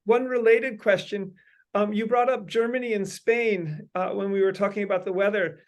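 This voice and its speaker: High-voiced man, halting and winding. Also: steady tone. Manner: halting, many ums and uhs, long winding sentences. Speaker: host leading a meeting. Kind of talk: brainstorming meeting talk.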